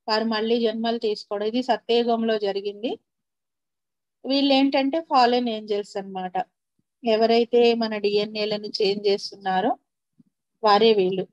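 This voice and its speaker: Female spiritual teacher, fairly high voice, dull dry lo-fi recording, measured delivery. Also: a little mellow, no echo. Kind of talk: spiritual class talk.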